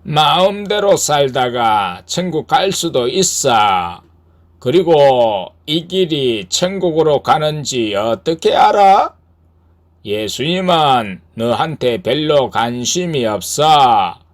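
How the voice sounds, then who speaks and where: A wheedling male devil slides through his lines, slow and sing-song, needling a listener to quit the hard road. His voice climbs and dips with a lively swing. A man puts him on while reading aloud. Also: fairly high pitch. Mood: coaxing. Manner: coaxing, needling. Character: sly tempting male devil.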